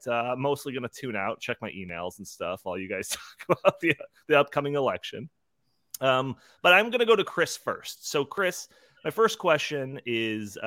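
A man's voice: medium pitch, pushed and bright, no echo, studio quality. A man hosting a live podcast in an informal, joking, chatty way. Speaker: podcast host.

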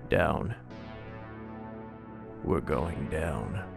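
A man playing a grim hardboiled investigator, narrating an audio drama in a deliberate, dramatic way. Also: very deep voice, animated, vocal fry, full character voice. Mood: urgent. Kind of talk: scripted noir-style narration in audio drama. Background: music.

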